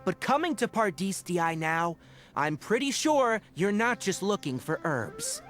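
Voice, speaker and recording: An earnest young scholar-guardian in a video game, standing his ground. The voice is fairly high for a man and very expressive, over faint music. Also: unhurried, exaggerated voice. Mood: stern, defiant.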